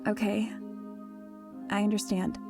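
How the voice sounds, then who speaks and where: A woman's voice: medium pitch, level tone, slow pace, over music. A young woman playing a guarded, wry teenage daughter in an audio drama, with an understated, questioning manner. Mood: uneasy.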